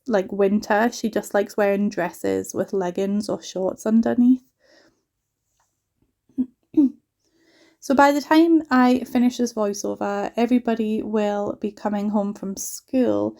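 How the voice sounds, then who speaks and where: A woman from northeast England with a soft mixed Geordie and Scottish accent, chatting casually through a home vlog voiceover with lots of "like" asides. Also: medium pitch, fairly even intonation, slow pace. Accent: soft mix of Geordie and Scottish. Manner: chatty, rambling, frequent "like" asides. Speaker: home vlogger and mother.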